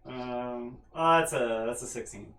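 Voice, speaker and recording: A man's voice: mid-range voice, measured pace. A man running a tabletop game as game master, narrating casually. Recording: roomy, distant mic with faint noise.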